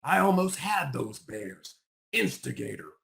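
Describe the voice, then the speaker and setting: A man's voice: mid-range voice, sing-song, measured pace, gravelly, a bit bright, a little hiss or hum, exaggerated voice. A man voicing a lonely, spiteful young male alligator in a picture book, with a defiant, grumbling manner. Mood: sulky.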